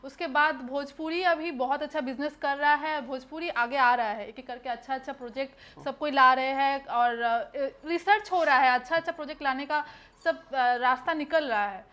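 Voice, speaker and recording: High-voiced chatty young woman. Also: steady tone, normal speed, fairly bright tone. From Kolkata, West Bengal, India. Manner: chatty, hesitant fillers, mixes in English phrases. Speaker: actress, interview guest. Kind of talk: casual interview answers.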